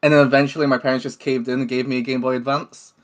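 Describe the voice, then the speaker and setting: A man's voice: medium pitch, level tone, quick pace. A man, talking casually as an interview guest. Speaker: interview guest, game developer. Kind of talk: casual chat.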